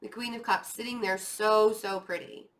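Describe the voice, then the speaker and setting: امرأة تقرأ التاروت بأسلوب عفوي. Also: female voice, mid-range voice, fairly even intonation, moderate pace, low-quality recording. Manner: chatty, rambling, encouraging, often addressing the listener directly. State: voice starting to tire. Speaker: tarot reader hosting an online reading. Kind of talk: casual, conversational tarot reading.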